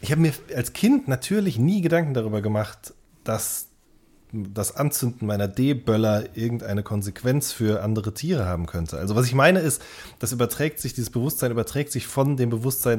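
A man's voice: mid-range voice, lively intonation, normal speed, darkish tone. A man with a German accent talking casually as a podcast co-host in an earnest, reflective way.

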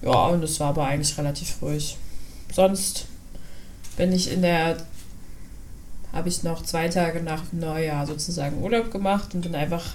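A woman co-hosts a casual podcast in a relaxed, cheerful way. Her voice sits a little low for a woman. Faint background noise runs under her. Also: moderate pace, pauses often. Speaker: podcast co-host. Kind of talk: casual group chat.

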